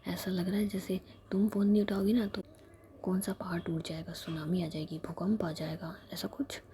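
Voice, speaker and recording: A woman's voice: on the low side, little pitch movement, normal speed, warm tone, slight background noise, natural voice. A woman whispering the lines of a teasing, clingy young woman who keeps pleading for a kiss, in a playful, wheedling manner. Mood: mocking.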